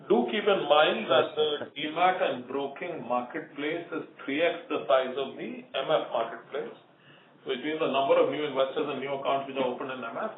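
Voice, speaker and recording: A man with an Indian accent, a company executive giving measured explanatory answers on a conference call. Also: on the high side. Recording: echoey tinny phone line, faint noise.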